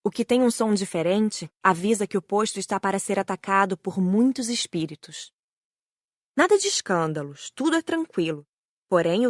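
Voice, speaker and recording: A woman's voice: medium pitch, dry recording, studio quality. A woman with a Brazilian accent reading a scripted first-person audiobook narration.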